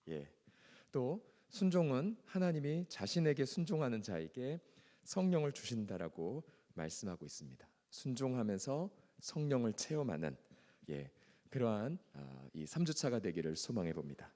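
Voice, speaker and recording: A man's voice: on the low side, dark tone. A male pastor with a strained, ailing throat, teaching a Bible class in a formal, earnest way. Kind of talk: Bible lecture with reading and prayer. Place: church hall. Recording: long echoing hall reverb.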